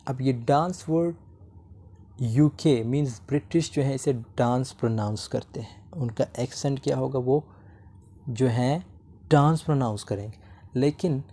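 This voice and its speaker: Slow, mellow-voiced male teacher. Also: medium pitch, slightly rough. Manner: reads English definitions slowly, explains fast in Hindi-Urdu. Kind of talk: recorded lecture mixing Hindi-Urdu and English.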